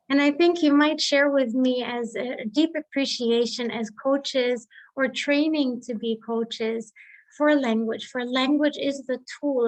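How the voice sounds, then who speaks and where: A woman's voice: sits high, rough recording. A woman coach trainer facilitating a group discussion and inviting people to share.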